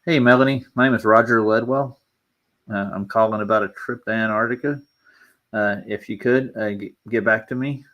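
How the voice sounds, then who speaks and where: Guy leaving a voicemail, kinda low voice, lots of uhs and pauses. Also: steady tone, a bit bright, highs cut off. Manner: halting, with many "uh" fillers. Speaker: streamer making calls.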